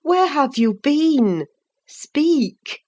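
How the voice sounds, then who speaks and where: A woman's voice: high voice, expressive, slow, a little mellow, pitched above the performer's own voice. A woman voicing a stern but loving middle-aged housekeeper in an audiobook, speaking in a reproachful, scolding way. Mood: demanding.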